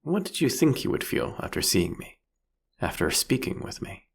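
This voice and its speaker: A man playing a seductive, mocking vampire king in a fantasy audio roleplay, with theatrical, teasing, eloquent delivery and a husky, gravelly voice. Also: medium pitch, big pitch swings, normal speed, a little hiss or hum. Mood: amused, probing.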